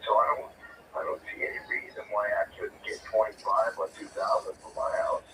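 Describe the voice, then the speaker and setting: Against noticeable background noise, a man uses a raised, projected voice with ordinary pitch variation. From Louisiana. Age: 60s. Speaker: home seller, caller. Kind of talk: phone conversation. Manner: halting, many fillers.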